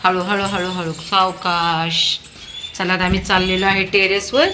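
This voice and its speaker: A woman with a lowish voice chats casually on her home terrace while filming her dog and a small child, the background noisy. She coaxes the pair along in a sing-song baby-talk voice for this home video.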